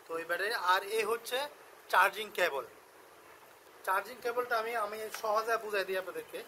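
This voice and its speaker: Fast, high-pitched Bangladeshi salesman. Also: bright, forceful tone, slight background noise, poor audio. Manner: repetitive, step-by-step explaining. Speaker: shop seller presenting a product on his channel. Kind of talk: casual product demonstration and sales pitch.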